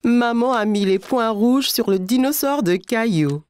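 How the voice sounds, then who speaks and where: A woman playing a gentle narrator in a children's cartoon, reading scripted story lines with expressive, clear phrasing. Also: fairly high pitch, measured pace, no echo, lightly acted. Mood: storytelling.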